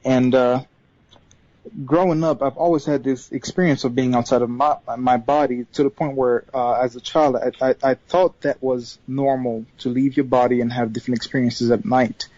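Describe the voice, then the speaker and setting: A man from Haiti, whose first language is not English, calling into a radio show and telling a personal story with many pauses and fillers. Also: medium pitch, fairly even intonation, warm tone, dry recording, dull audio. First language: not English; third language. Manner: hesitant, many fillers and restarts. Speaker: caller.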